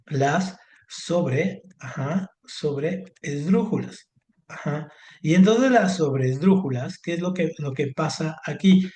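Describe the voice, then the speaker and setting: A man tutoring a student, explaining step by step, repeating words and filling pauses with little affirmations. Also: on the high side, a little mellow. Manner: patient, explains step by step, repeats words, frequent "ajá" and "ujú". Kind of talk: online Spanish grammar lesson. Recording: roomy echo.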